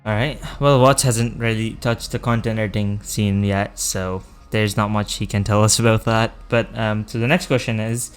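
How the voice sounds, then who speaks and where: A man's voice: lowish voice, steady tone, moderate pace, hardly any pauses, smooth, soft background music. A man hosting a casual podcast chat over a call, talking in a chatty, hesitant way and laughing often. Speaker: podcast host.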